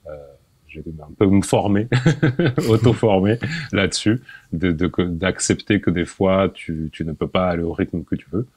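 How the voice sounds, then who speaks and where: Guy in his 40s, really low voice, dry sound, stumbles and restarts a lot, laughs here and there. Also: normal speed, a little mellow, husky, dry recording. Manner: hesitant, repeats words, laughs often. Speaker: podcast guest. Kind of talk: casual interview.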